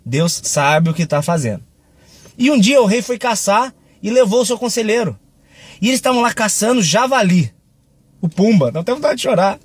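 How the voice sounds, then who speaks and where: A man's voice: very high-pitched, expressive, a little fast, slightly rough, no room sound. A young Brazilian man giving a casual devotional talk, chatty and joking as he tells a story and acts out its quotes. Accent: Brazilian Portuguese. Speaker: Christian video preacher.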